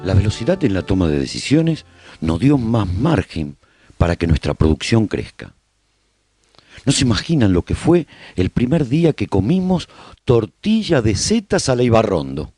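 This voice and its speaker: Post-apocalyptic radio chronicler, highly varied melody, slightly husky voice, dry close sound, proud and hopeful, measured storytelling. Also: male voice, sing-song, dark tone, no room sound, soft background music, heavily acted. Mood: fond, upbeat. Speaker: narrator and radio announcer. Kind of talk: scripted radio drama narration.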